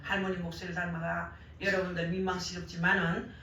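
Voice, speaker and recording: An older woman with a worn, hoarse voice and a Gyeongsang Korean accent, preaching with animated storytelling and acted-out remarks. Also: fairly low pitch, brisk. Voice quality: worn, hoarse voice damaged by years of crying out in prayer. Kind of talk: sermon with personal anecdotes. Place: church service, roomy indoor hall. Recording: very echoey church hall, distant mic.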